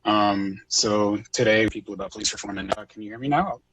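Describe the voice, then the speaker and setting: A man from Urbana, Illinois, giving public comment over a breaking-up remote call, halting and full of fillers. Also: fairly low pitch, a bit bright, rough recording. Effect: breaking-up remote call audio. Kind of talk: public comment at a council meeting.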